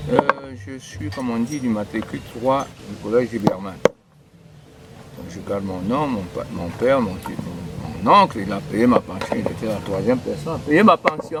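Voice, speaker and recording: Against noticeable background noise, a man talks fairly slowly with long, frequent pauses, lively intonation and big swings in loudness. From Cameroon, Douala. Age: 70s. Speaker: retired gendarme, independence war veteran. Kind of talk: interview testimony. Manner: halting.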